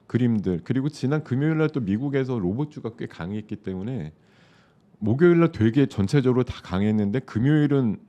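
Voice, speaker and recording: A man's voice: mid-range voice, expressive, fairly quick, warm tone, muffled recording. A man with a sore throat, a stock market commentator explaining trends in loose, conversational live-show chat with many fillers.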